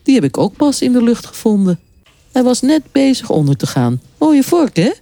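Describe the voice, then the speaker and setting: A woman voicing a cheerful, chatty male sand crab who fixes broken things, speaking brightly and eagerly. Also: a little high, very animated, moderate pace, no echo, pitched above the performer's own voice.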